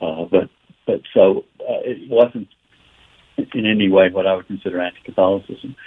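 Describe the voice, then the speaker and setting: A man with an American accent speaks at a moderate pace. He takes long, frequent pauses. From US South, northern Alabama. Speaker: education professor. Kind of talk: radio interview.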